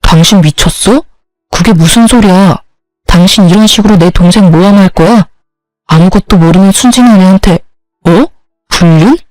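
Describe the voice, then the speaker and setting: A woman's voice: medium pitch, darkish tone, no room sound, lightly acted, poor audio. A woman voicing a husband who defends his younger sister against his wife, in a storybook reading. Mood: defensive. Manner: pleading then defensive.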